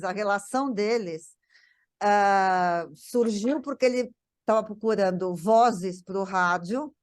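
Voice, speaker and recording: An older woman with a medium-pitched voice reminisces about a parent's life in casual conversation. She speaks haltingly, often repeating words while searching for the right phrasing.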